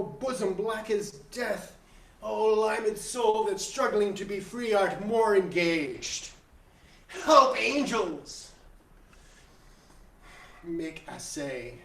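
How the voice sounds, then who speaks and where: A man playing a guilt-ridden, murderous king praying in torment, declaiming a classical stage monologue in verse. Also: a little high. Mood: desperate pleading. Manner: declamatory, classical verse delivery with long pauses. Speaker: acting student. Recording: echoey room, distant mic, online stream.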